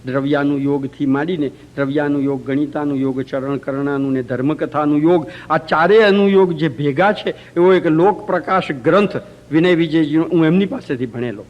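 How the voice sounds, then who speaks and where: A man with a notably high-pitched voice teaches through anecdotes in a religious talk. He keeps turning to his listeners with rhetorical questions. It was recorded live in a community center hall. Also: steady tone, moderate pace, muffled recording. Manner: asks rhetorical questions of the audience.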